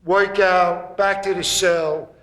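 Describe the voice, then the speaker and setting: A man's voice: high-pitched, fairly even intonation, slow, fairly bright tone. A man who is a prison inmate, speaking bluntly and emotionally in an interview. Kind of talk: documentary interview. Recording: echoey hall with faint noise.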